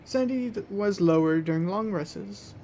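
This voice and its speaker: A man runs a tabletop game as its game master, his fairly high, mellow voice making up narration on the spot in a halting way as he gropes for words. Faint noise sits in the background.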